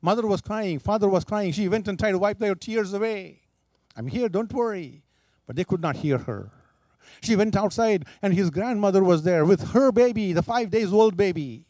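A man's voice: high voice, moderate pace, mellow, no echo. A man preaching, telling a story with emphatic, dramatic delivery. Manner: emphatic, rising and falling for drama.

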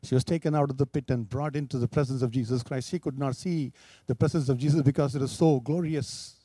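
A man's voice: mid-range voice, fairly even intonation, fairly quick, dark tone, breathy edge, dry recording. A man preaching, telling a story with emphatic, dramatic delivery. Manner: emphatic, rising and falling for drama.

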